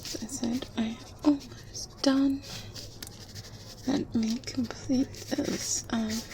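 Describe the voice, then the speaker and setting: A woman playing a kindly medieval witch in an ASMR roleplay, softly spoken and breathy, gentle and deliberate with small murmured hums. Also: on the high side, steady tone, background noise. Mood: amused, unhurried. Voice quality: soft, breathy whispering. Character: kindly, unhurried medieval witch at her grimoire.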